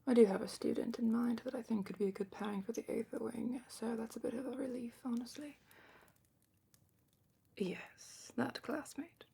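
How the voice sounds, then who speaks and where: A woman playing a calm, thoughtful dragon curator in a whispered ASMR fantasy roleplay, speaking softly and breathily with measured, musing pauses. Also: a little high, creaky, slightly rough, full character voice. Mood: musing, considering.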